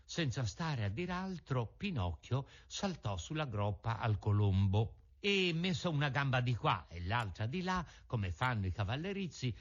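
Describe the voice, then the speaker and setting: A man reading a children's story aloud in a measured, expressive way. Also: mid-range voice. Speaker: audiobook reader. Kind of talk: storybook narration. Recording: dull lo-fi audio.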